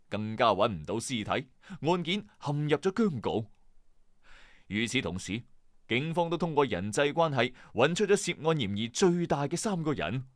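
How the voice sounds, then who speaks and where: A man's voice: mid-range voice, no room sound, clean studio sound. A man with a Hong Kong Cantonese accent hosting and narrating a scripted true-crime mystery in a suspenseful, conversational storytelling manner. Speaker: storyteller host of a mystery channel.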